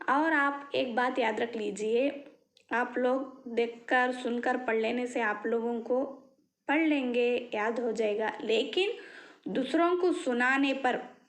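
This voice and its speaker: A woman teacher with an Urdu-speaking South Asian accent, spelling out Arabic syllables slowly and drawing out each sound, then explaining rules quickly. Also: on the high side. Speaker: Quran reading teacher.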